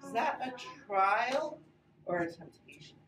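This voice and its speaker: A woman teaching a children's Bible class in a playful, animated way, coaxing the kids to join in. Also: medium pitch, a little slow, far from the mic, slight background noise. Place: large echoey room with a group of children. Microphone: camera at a distance. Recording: roomy echo, recorded from afar.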